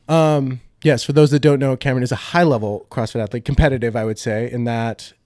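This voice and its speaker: A man of ordinary pitch hosts a laid-back podcast chat, talking with easy banter and lots of ums. His voice sounds close and dry, with little room sound. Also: brisk, no echo. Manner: relaxed, joking banter with many fillers. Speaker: podcast host, physical therapist. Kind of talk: casual podcast interview.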